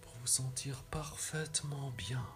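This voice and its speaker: A man guiding a relaxation meditation in a soft, soothing, measured way, giving instructions with pauses and slightly breathy phrase endings. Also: mid-range voice, music in the background. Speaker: yoga nidra guide.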